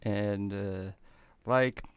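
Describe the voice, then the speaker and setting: A man with a gravelly yet clear voice, talking casually as a player in a tabletop role-playing game. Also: on the low side, steady tone, drawn-out words, dry recording. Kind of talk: casual table talk and character narration.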